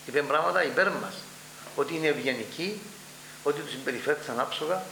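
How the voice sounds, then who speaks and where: Older cypriot guy telling old stories, gravelly voice, acts out the dialogue, echoey room with a faint hum. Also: on the high side. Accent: Cypriot Greek. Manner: animated storytelling, acts out dialogue. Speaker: interviewee. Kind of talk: oral history recollection.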